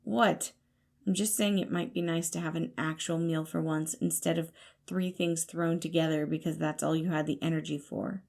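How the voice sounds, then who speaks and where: A weary, guarded young man in an audio drama , performed by a woman. The voice is on the low side with plenty of fry, and the delivery is dry, blunt and grudging. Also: steady tone, moderate pace, a little mellow. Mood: complaining.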